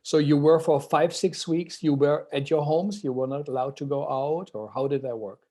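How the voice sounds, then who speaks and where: A man's voice: a little high, steady tone, moderate pace, dark tone. A man hosting a livestreamed interview, asking questions hesitantly and with many fillers and restarts. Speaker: host. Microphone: video call.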